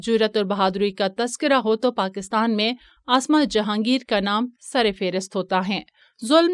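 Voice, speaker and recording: A woman's voice: on the high side, smooth, dry recording. Formal woman news presenter, dry studio. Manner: formal, measured delivery. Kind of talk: scripted news reading. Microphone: studio microphone.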